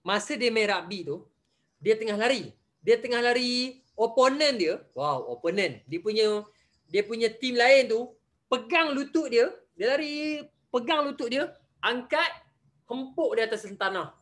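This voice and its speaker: A man's voice: very high-pitched, a bit bright. A young man with a Malaysian Malay accent, a religious teacher telling a story to his pupils in an online class and quizzing them as he goes. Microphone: video call.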